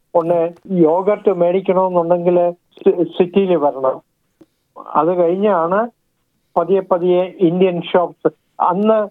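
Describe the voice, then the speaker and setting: This is a man speaking. His pitch is high. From Kerala, India. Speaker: retired psychiatrist. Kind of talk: interview. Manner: halting, frequent pauses.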